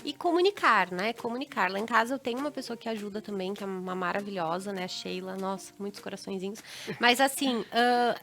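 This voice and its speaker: Brazilian woman guest adviser, bright and sharp, instructive manner, acts out dialogue. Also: medium pitch, quick pace. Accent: Brazilian Portuguese. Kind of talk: advice talk on a TV show.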